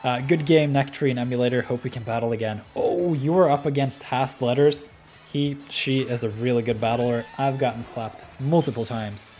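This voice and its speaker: A man's voice: medium pitch, normal speed, darkish tone. A man from Norway with a Norwegian accent, hosting a live game stream and chatting easily with viewers between plays. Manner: easygoing, chatty, with frequent ums and laughs. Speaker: livestream host. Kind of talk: live game commentary and chat reading. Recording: faint music behind the voice.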